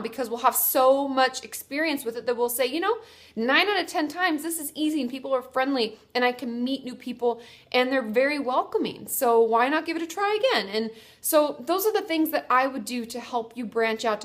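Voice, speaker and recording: A young woman therapist with a congested, stuffy nose, giving chatty, reassuring advice to viewers and correcting herself as she goes. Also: on the high side. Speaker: therapist answering viewer questions. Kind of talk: casual advice vlog.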